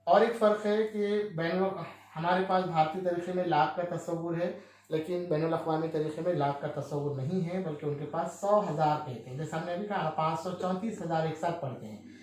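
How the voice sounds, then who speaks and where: A man's voice: fairly high pitch, a little mellow, very echoey. A male teacher explaining a maths lesson, who asks questions and answers them himself with frequent checks on his listeners.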